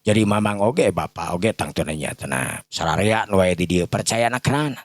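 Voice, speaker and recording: A man voicing a respectful village uncle in a folk story, halting and repetitive as he pleads deferentially, with a Sundanese accent. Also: low voice, no echo, natural voice. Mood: earnest, respectful.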